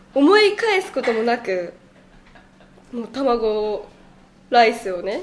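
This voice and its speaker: Very slow speech with very wide pitch swings and big swings in loudness comes over noticeable background noise. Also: woman, high pitch for a woman. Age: young. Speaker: idol singer and radio personality. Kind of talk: casual solo radio talk; scripted show intro. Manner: halting; laughs often.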